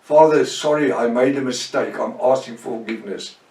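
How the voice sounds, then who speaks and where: A man's voice: mid-range voice, moderate pace, darkish tone. A man with an Afrikaans accent, preaching a fervent Bible-study sermon with prayers. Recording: echoey room, voice from far off.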